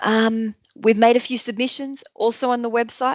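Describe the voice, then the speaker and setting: Dry, close sound with no echo, a woman with an Australian accent against a quiet background. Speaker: advocacy forum presenter. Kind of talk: online meeting update.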